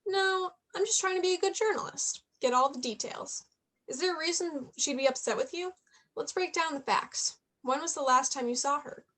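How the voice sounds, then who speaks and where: In a staged play reading with naturalistic dialogue, a woman with a high, slightly bright voice plays a playful, persistent eighteen-year-old journalism student. She speaks at a moderate pace, chatty and probing.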